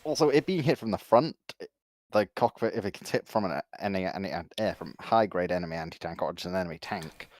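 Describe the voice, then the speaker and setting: Lowish-voiced man in dry sound. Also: fast, no echo. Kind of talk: casual technical chat.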